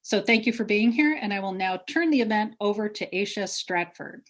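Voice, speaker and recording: A woman with a medium-pitched voice speaks as the organizer of an online event. She makes housekeeping announcements and introductions over a video call. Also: lively intonation, fairly quick.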